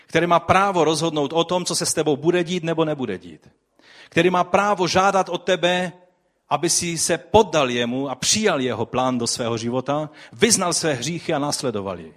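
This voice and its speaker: A man preaching a sermon, telling a story vividly and putting rhetorical questions to his listeners. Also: fairly high pitch. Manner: addresses the audience with rhetorical questions; animated storytelling with swings in loudness.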